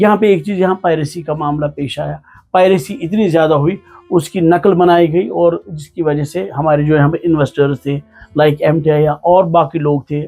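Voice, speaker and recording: Music plays behind a man whose high voice shows ordinary pitch variation. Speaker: theatre actor. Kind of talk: interview.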